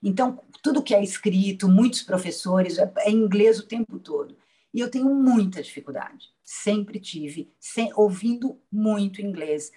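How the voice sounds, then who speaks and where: A woman from Brazil talks through her experience in a roundtable. Her pace is unhurried and reflective, and she often restarts a phrase. Her voice sits at a middle pitch. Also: dark tone. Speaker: patient. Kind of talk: casual roundtable testimony.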